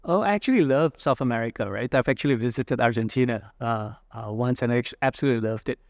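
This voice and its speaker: A man from Indonesia talks through his views as a guest in a casual interview. His voice has a gravelly edge, and the recording is dry and close. He thinks aloud, with fillers and frequent "right?" checks. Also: medium pitch, fast talker, no room sound. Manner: reflective, many fillers and "right?" tags. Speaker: entrepreneur guest.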